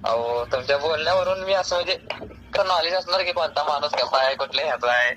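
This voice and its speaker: A man with a rural Maharashtrian accent making colloquial, flattering small talk in a casual phone chat. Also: fairly high pitch, a little fast. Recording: noisy recorded phone call.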